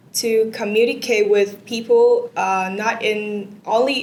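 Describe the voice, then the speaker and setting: Audible room echo and noticeable background noise surround a woman talking at a very slow pace. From Vietnam. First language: Vietnamese. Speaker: test candidate. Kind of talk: exam speaking test. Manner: halting.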